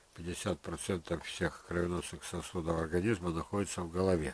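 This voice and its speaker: Monotone, flat intonation from a man with a very deep, low pitch. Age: 70s. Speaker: gardening video blogger. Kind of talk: personal storytelling with health advice. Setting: outdoors in the rain. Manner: rambling, conversational.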